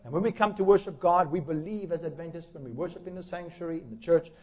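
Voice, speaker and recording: A man lecturing from the pulpit in an earnest, measured way, leaning on key words for emphasis. His voice sits a little higher than most men's. The recording is dull and lo-fi. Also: a little mellow. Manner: measured, emphatic, reads scripture aloud. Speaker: lecturer on worship music. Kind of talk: sermon lecture.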